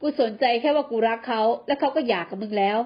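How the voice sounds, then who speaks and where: A woman voicing a calm, steady young man who speaks plainly. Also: on the high side, quick pace, dull audio, lightly acted.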